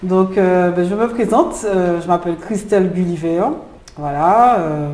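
A woman's voice: lowish voice, a little slow, a little mellow. A woman from Martinique, a jewelry designer, answering interview questions in a hesitant way with many filler sounds. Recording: roomy echo.

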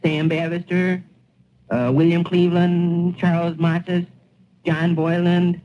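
A man's voice: high-pitched, little pitch movement, takes it slowly. A man playing a self-satisfied, pondering small-town American family man in a 1940s radio play. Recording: dull, hissy vintage radio recording.

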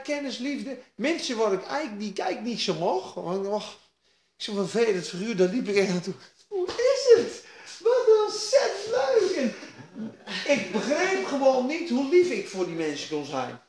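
A woman delivering a sermon in an echoey room, her voice bouncing off the walls. She is emphatic, dropping into quiet asides and then rising into loud, excited bursts. Her pitch sits in an ordinary middle range. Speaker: preacher.

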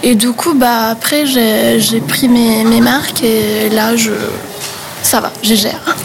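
A woman's voice: on the high side, steady tone, takes it slowly, background noise. A young woman speaking French as a second language, answering interview questions casually with many hesitations. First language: not French. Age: young adult. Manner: hesitant, many fillers, laughs easily. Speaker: webzine co-founder, guest.

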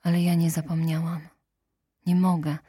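A woman's voice: sits low, little pitch movement, moderate pace, warm tone, husky, no room sound, clean studio sound. A woman voicing a grieving young woman who pleads in tearful bursts and whispers, in an audiobook reading. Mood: anguished. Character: grieving young woman, Kurtz's fiancée, desperate.

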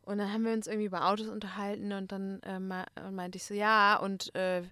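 A woman's voice: mid-range voice, fast talker, clear, resonant tone, dry recording. A woman chatting casually and animatedly, acting out little stories. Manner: animated storyteller, acts out quoted voices. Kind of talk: casual chat.

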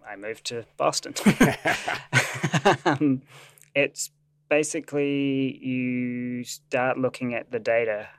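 Casual: kiwi-scientist guy, slow and thoughtful, lots of ums, smooth clear voice. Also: medium pitch, steady tone, no room sound. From New Zealand. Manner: thoughtful, with frequent "um"s. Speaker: staff scientist and animator. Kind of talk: interview explanation.

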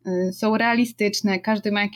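A woman's voice: medium pitch, steady tone, moderate pace. Female tabletop player, thoughtful, rambling, casual chat. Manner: thoughtful, rambling, searching for words.

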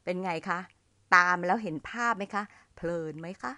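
A middle-aged woman with a Thai accent gives a warm, chatty lesson on hosting events, speaking to her listeners like an older sister. Her voice sits at an ordinary pitch. The recording is dry and close, with no room sound. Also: no echo. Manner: friendly, addresses listeners as younger siblings, slows to model English phrases. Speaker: MC trainer teaching younger listeners. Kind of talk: casual spoken lesson.

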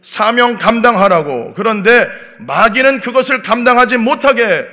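A man's voice: extremely high pitch, animated, moderate pace, sharp tone. A man preaching an early morning sermon, emphatic, firing rhetorical questions at the congregation. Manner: acts out the devil's taunts in a mocking voice. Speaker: pastor.

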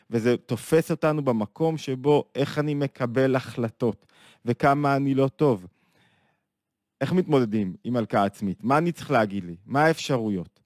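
A man's voice: medium pitch, darkish tone, no echo, studio quality. A man giving a video talk on Jewish psychology, earnest and full of rhetorical questions that build to emphatic points.

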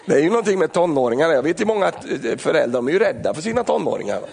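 A man preaching an animated sermon, acting out little scenes and asides. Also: on the high side, gravelly. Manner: animated, acts out voices and asides. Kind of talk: lively sermon.

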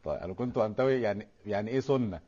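A man's voice: lowish voice, expressive, rapid-fire, mellow, husky, lo-fi sound. A man hosting a religious talk show who speaks formal standard Arabic and keeps affirming his guest with short replies.

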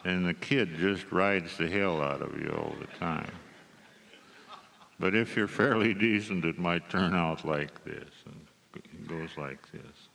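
A man's voice: low voice, vocal fry, fairly bright tone. A man performing cowboy poetry live, with folksy, drawling rural phrasing in both his introductions and his verse.

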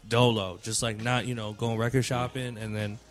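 A man's voice: on the low side, flat delivery, moderate pace. A man who works as a music producer hosting a panel in casual, slangy, conversational talk with some swearing. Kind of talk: casual chat.

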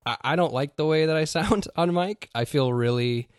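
A man's voice: on the high side, moderate pace, clear, resonant tone, no echo, studio quality. A man hosting a podcast in casual chat, self-deprecating and laughing often. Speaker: podcast host.

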